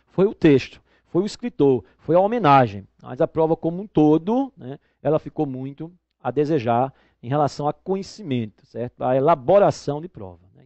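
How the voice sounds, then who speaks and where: A male teacher talks through exam answers in a somewhat high voice. He spells out word parts slowly and keeps checking in with "right?". The recording is dry, close and slightly dull. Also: dark tone, no echo. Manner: didactic, checks in with tag questions like "né?" and "correto?". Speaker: Portuguese teacher. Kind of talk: exam-prep video lesson.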